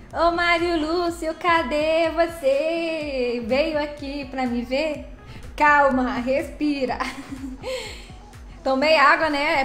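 A woman chatting lively on a live stream, greeting viewers by name while playing a truck game. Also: high voice, echoey room.

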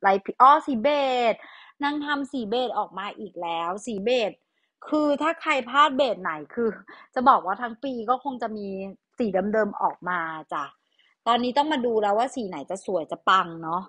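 A chatty young woman vlogger talks through new releases, thinking aloud with self-mocking asides. Her voice sits a little high and sounds bright and forward. The recording is dry and close. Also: expressive, moderate pace, no room sound. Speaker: fashion vlogger. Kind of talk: casual product talk.

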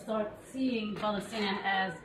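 A woman's voice: mid-range voice, steady tone. English-speaking woman guiding a street tour. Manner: halting, plain non-native English with many "like" fillers. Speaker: local guide. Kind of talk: casual walking tour explanation. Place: outdoors in narrow camp alleys. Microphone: camera mic from a few steps away. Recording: outdoor camera audio, distant and echoey, loud street noise.

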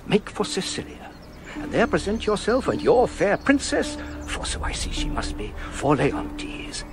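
Loyal earnest courtier for a radio play; animated, measured delivery. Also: male voice, high-pitched, over music, full character voice. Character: loyal older male courtier and counsellor, earnest. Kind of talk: classic radio drama acting.

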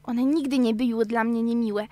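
A woman's voice: a little high, fairly even intonation, moderate pace, dark tone, close to an everyday voice. A woman voicing an earnest young female narrator in an amateur science-fiction radio play. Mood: earnest, subdued. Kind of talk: scripted radio drama reading. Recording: amateur studio take with hum.

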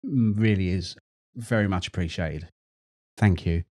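Man, tech tutorial host, low voice, dark tone, relaxed, chatty. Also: unhurried. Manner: relaxed, chatty, repeats words while working. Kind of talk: screen-recorded tutorial narration.

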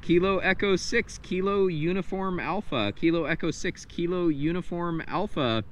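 A man's voice: high voice, moderate pace. A man in his thirties chatting casually as an amateur radio operator, with an easy, friendly manner. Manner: relaxed, friendly, uses phonetic spelling. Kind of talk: casual radio contact chat. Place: front yard, outdoors. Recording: outdoor recording with clear background noise.

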